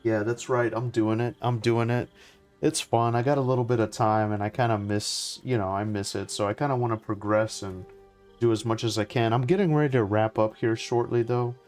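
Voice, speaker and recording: A man's voice: mid-range voice, steady tone, brisk, darkish tone, soft background music. A man giving casual live game commentary as a streamer, rambling and friendly to viewers.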